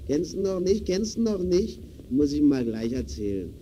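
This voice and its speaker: An actor playing a grumbling, blustery bourgeois husband in old radio-play style. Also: male voice, a little high, sing-song, moderate pace, dark tone. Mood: eager. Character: grumpy bourgeois newspaper-reading husband, eager to tell jokes. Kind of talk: 1920s German radio play acting. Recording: muffled, faintly noisy old radio recording.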